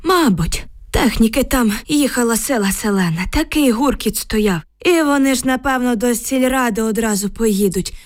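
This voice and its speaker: A woman's voice: a little high, expressive, normal speed, pitched above the performer's own voice, lightly acted. A woman voicing a frightened village man of about seventy, who tells his news in a lamenting, emotional way.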